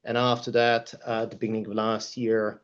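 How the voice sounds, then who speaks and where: A middle-aged man with a Hungarian accent speaks formally and hesitantly, in a measured way, as a panelist. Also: lowish voice, monotone, smooth. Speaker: panelist, law firm partner. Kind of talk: panel discussion, career account. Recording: dull, muffled lo-fi sound.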